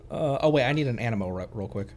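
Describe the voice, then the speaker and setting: A man's voice: mid-range voice, a little mellow, slight background noise. A man giving casual gaming commentary as he hosts a livestream, chatting to his viewers. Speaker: livestream host playing a video game. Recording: game music behind. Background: video game music.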